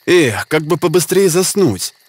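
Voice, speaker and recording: Bold cartoon hunter hero, lively pitch. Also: male voice, a little slow, dry recording. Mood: wily. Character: brave, determined folk-hero hunter and archer. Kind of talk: animated folk-tale character acting. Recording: loud music behind the voice.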